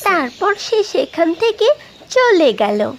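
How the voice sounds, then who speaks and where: Lady telling kids cartoon stories, high pitched, really sing-song up and down. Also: sing-song, takes it slowly. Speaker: storyteller and channel host. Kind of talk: children's cartoon story narration.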